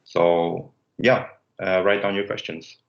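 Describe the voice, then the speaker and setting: A man in his late twenties from Denmark, opening and hosting a student livestream in a casual, halting way with many fillers. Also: low voice, fairly even intonation, gravelly. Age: late 20s. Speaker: student presenter. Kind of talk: livestream presentation. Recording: dull roomy sound.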